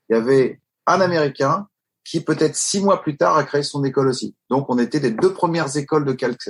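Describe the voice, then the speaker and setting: A man's voice: medium pitch, slightly rough. An older man telling his story as an interview guest, earnest and hesitant, with many restarts and fillers. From Italian-Corsican family, grew up in France. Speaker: stunt school founder, guest.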